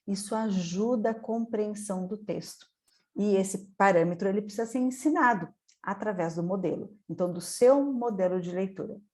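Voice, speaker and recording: A woman's voice: on the high side, darkish tone. A woman with a Brazilian Portuguese accent, hosting and giving an instructional talk to camera in an explanatory way, often tagging her sentences with a questioning "né". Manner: explanatory, tags phrases with "né". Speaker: educator and channel host.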